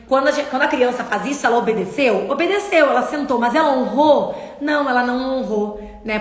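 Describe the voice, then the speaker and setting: Woman, middle-aged, live host, conversational, asks the audience questions, a bit high-pitched, roomy echo. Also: fairly bright tone. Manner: chatty, asks the audience, reads comments aloud. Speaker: live stream host and speech therapist. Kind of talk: casual motivational live talk. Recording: echoey room with long reverb.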